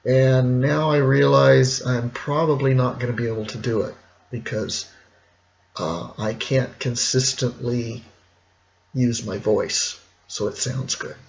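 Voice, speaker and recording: A middle-aged man with a gravelly, hoarse, cracking voice, talking casually and reflectively in a rambling personal vlog. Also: medium pitch, fairly even intonation, muffled recording, slight background noise. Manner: rambling, reflective, slow with pauses. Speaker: vlogger.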